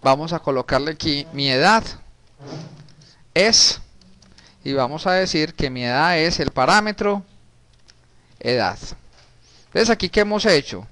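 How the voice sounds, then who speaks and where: A man, teaching a programming class in a relaxed way while working on screen. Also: a little high, measured pace, long pauses. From Colombia. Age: 30s. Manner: casual, talks while typing, frequent restarts and diminutives. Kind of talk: recorded screen-share coding lesson.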